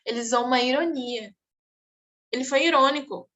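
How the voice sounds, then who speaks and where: A woman teacher walks her students through exam answers, pausing often to make sure they follow. Her voice sits a little high, and she explains patiently. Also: fairly bright tone. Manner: explanatory, checks in with "tá bom?". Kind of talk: online exam review class.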